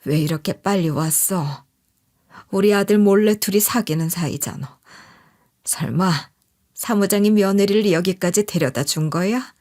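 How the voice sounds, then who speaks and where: A woman's voice: mid-range voice, unhurried, a little mellow, close to an everyday voice. A woman voicing a furious older mother-in-law in an audio story, scolding and blunt. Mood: accusing.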